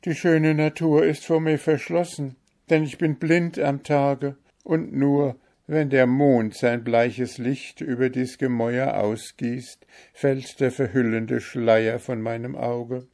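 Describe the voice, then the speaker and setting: A sorrowful owl, really a young princess under a spell, speaks in a lifted, plaintive voice, as a male narrator puts her on. She sounds mournful and unhurried. It is a storybook reading. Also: mid-range voice, little pitch movement, darkish tone, pitched above the performer's own voice. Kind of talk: audiobook character voice.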